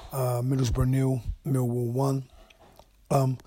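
A man enthusiastically leaving a voice message as a caller to a fan show, pausing with frequent ums. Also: mid-range voice, completely flat delivery, dark tone. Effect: recorded voice message. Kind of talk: casual fan phone-in.

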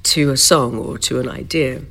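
A woman's voice: rumbling low, fairly even intonation, normal speed, vocal fry, fairly bright tone. A woman singer being interviewed, talking casually and rambling with lots of "like" and "um".

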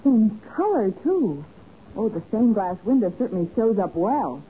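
An actress playing an eager, inquisitive detective's assistant in a 1940s radio drama. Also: female voice, mid-range voice, very animated, moderate pace, close to an everyday voice. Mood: curious. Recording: hissy, narrow 1940s radio recording.

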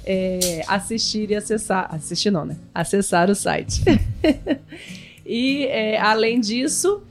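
A woman co-hosting a live podcast for Portuguese learners, chatting in a friendly, relaxed way. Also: medium pitch, takes it slowly, soft background music. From Brazil. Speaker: podcast co-host.

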